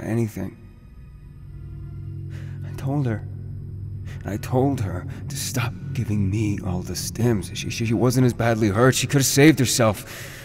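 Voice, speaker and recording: Wounded male space-wreck survivor, low voice, slow, halting, grief-stricken, audio drama. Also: a little mellow. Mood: distraught, panicking. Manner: halting, stammering, repeating himself. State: weak, coughing, distressed.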